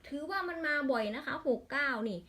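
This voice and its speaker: Woman, Isan accent, high voice, casual vlog, lottery numbers read in quick strings, exasperated grumbling. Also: lively intonation, a bit bright.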